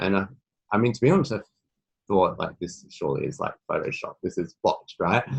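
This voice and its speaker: This man talks at a medium pitch with an Australian accent and lively intonation. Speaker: PR specialist. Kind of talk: webinar presentation.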